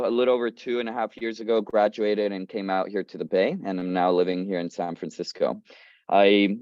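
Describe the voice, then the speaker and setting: On a community video call, a young Colombian startup founder in his twenties gives an upbeat, casual guest talk peppered with fillers and restarts. His lowish voice sounds clear, resonant and a little mellow, recorded dry with slightly dull call quality.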